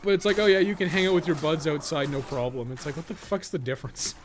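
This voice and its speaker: A man's voice: on the high side, fast. Canadian man chatting casually over background noise. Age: 30s. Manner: profane, colloquial. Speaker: gaming livestream host. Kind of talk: casual rambling stream chat while playing.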